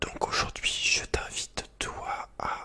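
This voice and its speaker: A man whispers at a very slow pace. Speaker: gaming commentator. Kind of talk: joking game commentary. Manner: soft ASMR reading voice.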